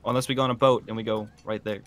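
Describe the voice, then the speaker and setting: A man's voice: on the low side, fairly even intonation, racing. A man playing a tabletop roleplay game, chatting in a joking, slangy way. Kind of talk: casual chat, slangy banter. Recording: clear background noise, clicking.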